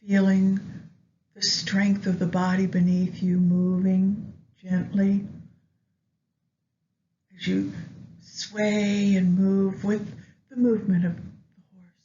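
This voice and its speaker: A woman narrating a guided meditation in a gentle, soothing, unhurried manner with long pauses. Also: mid-range voice, flat delivery. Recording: dull lo-fi audio with background noise.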